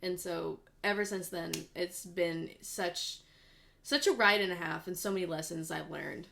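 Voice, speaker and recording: A woman's voice: fairly low pitch, fairly even intonation, measured pace, vocal fry, fairly bright tone. A young woman in her twenties, a voice actress guest, telling her story in an upbeat, earnest way. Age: 20s. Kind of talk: casual interview chat.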